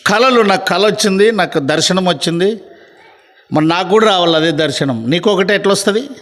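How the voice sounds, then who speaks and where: High-voiced preacher in a reverberant hall. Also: male voice, a little fast, a bit bright. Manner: stern, rising to emphatic preaching. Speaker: pastor. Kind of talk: sermon. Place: church meeting.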